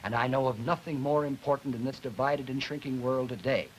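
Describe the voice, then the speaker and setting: A man giving an explanatory educational lecture in an emphatic, deliberate, didactic way, as a linguistics lecturer. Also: mid-range voice. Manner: emphatic, deliberate, didactic, stressing key words. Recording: noisy 1950s educational film soundtrack.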